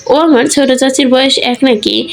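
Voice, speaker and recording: Woman reading a lively, affectionate young woman in an audio story, a bit high. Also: moderate pace, creaky. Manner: lively, teasing.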